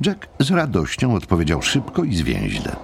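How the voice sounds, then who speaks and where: Guy narrating an audiobook, really low creaky voice, some faint ambience behind. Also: wildly swooping pitch, normal speed, background noise. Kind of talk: scripted literary narration.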